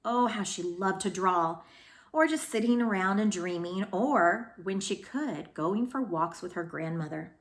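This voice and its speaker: Female children's read-aloud librarian, medium pitch, expressive storytelling, noticeable room echo. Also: a little slow.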